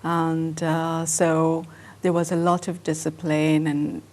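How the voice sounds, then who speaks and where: A woman artist from Pakistan, a native Urdu speaker, answering interview questions in a reflective, soft-spoken way. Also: low voice, completely flat delivery, takes it slowly.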